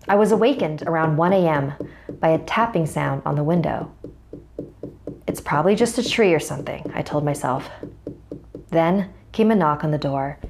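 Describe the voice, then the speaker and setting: A young woman telling a scary first-person story in a measured, suspenseful way, narrating over a music bed. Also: fairly low pitch, darkish tone.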